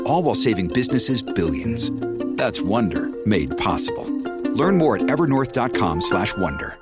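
A man delivers a scripted commercial voice-over with very varied intonation. Loud plucked guitar music plays behind him. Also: fairly low pitch, very animated, normal speed. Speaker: advertisement announcer.

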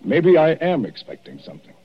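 A cool, steady doctor. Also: male voice, a little high, fairly quick, slightly rough, full character voice. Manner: cool, firm, unshaken. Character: calm, defiant male doctor facing a killer. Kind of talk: 1940s radio acting. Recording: dull lo-fi vintage radio recording.

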